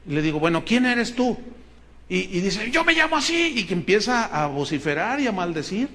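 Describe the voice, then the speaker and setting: Delivering an emphatic sermon at a moderate pace, a man with a Mexican Spanish accent tells stories and performs the quotes within them. His high voice is a bit bright and lively in intonation.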